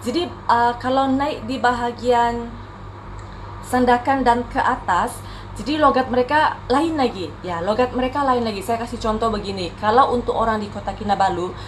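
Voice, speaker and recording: A woman's voice: a little high, normal speed, a little hiss or hum, rough recording. A woman in her thirties from Sabah with an Indonesian-tinged Tawau Malay accent, chatting casually to camera with many fillers and self-corrections. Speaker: vlogger.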